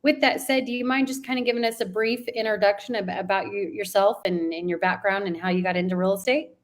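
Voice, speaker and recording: A woman hosting an interview show in an enthusiastic, encouraging way. She keeps her guest talking with warm praise and follow-up questions in a mid-range voice. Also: medium pitch, steady tone, quick pace. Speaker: podcast host, interviewer.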